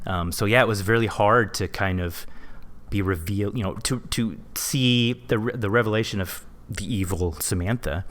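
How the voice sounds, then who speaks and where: Lower-voiced man hosting a podcast. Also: moderate pace, a bit bright. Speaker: podcast host. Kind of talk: casual hosting and interviewing.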